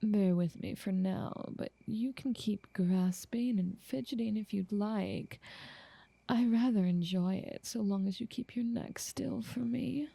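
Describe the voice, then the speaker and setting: A woman playing a doting, possessive noble vampire in an ASMR roleplay, speaking softly and coaxingly in genteel words, often slipping into a whisper, close to the mic. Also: medium pitch, vocal fry, breathy edge, no room sound. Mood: doting, indulgent. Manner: slow, soothing, coaxing, genteel wording. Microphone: close, dry microphone.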